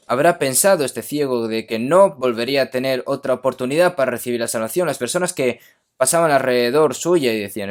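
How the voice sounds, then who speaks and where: A man from Korea preaching a sermon emphatically, often checking in with his listeners. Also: mid-range voice.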